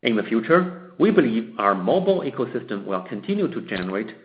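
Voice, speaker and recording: A man presenting as a company executive, reading a scripted corporate statement in formal, measured short phrases on a conference call. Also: fairly low pitch, sing-song. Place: conference call in a roomy space. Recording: dull, echoey conference-call audio.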